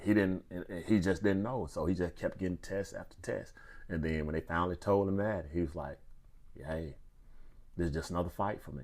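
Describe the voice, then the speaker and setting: Speaking at a fairly quick pace, a man with a Southern US accent has a very deep, low pitch and ordinary pitch variation. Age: 60s. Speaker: football coach, former NFL player. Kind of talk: casual podcast interview.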